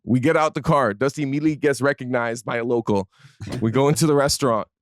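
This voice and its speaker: A man's voice: mid-range voice, fast talker, no echo, clean studio sound. Toronto-accented man telling a slangy story. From Toronto, Canada. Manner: Toronto street slang, repetitive punchy narration.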